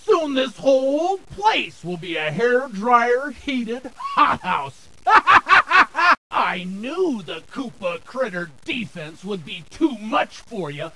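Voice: medium pitch, sing-song, takes it slowly, crowd noise, low-quality recording. An actor voicing a cocky, jeering turtle villain in a cartoon video game, sneering and sarcastic.

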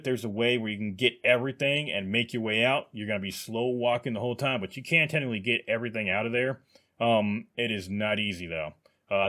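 A man's voice: on the low side, a bit bright. A man hosting his gaming channel, chatting casually with many fillers and restarts. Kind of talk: casual video commentary.

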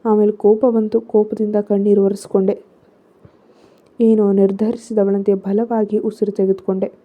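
A woman reads a first-person story aloud at a steady, even pace with little rise and fall. The recording sounds narrow and phone-like. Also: mid-range voice, normal speed.

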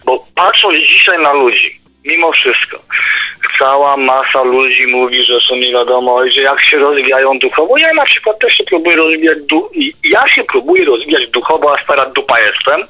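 A man's voice: mid-range voice, very animated, normal speed. A middle-aged man musing in casual debate, restarting phrases as he reasons aloud, over a phone call. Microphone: phone or internet call. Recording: tinny phone line, faint music behind.

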